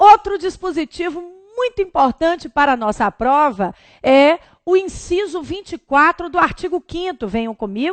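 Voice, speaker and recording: A woman's extremely high, animated voice with very wide pitch swings, dry and close with no echo, over a quiet background. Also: moderate pace. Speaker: law exam prep teacher. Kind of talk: online revision lecture.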